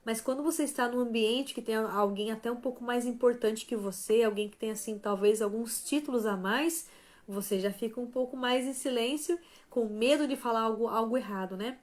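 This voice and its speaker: A woman's voice: a little high, normal speed. Woman teaching on a live stream. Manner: tags most phrases with "né?" and "tá?"; shifts between softer and stronger emphasis. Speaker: live stream host and author.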